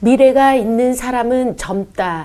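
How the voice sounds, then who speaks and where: Against noticeable background noise, a woman speaks very slowly at a fairly high pitch with ordinary pitch variation. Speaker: panelist. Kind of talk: casual discussion.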